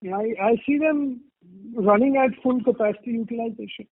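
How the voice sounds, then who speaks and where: A man with an Indian accent answering earnings call questions as a company executive, measured, hesitant and careful, over a telephone line. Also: very high voice, no room sound. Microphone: telephone conference line. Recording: tinny narrow phone line.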